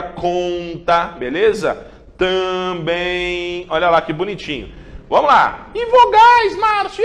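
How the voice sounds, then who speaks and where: Guy teaching an exam-prep class on tv, kinda high voice, chatty, sweet-talks the students. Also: a bit bright. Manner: playful, coaxing, with pet names for students; repeats checks like "ok?" and "beleza?". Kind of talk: televised exam-prep lesson.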